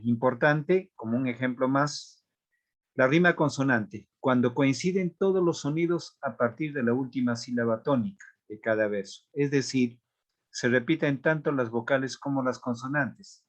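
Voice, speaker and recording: A man teaching a literature class, explaining rhyme and verse step by step in a measured way and often pausing to check in with his students. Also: medium pitch. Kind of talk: online literature lesson.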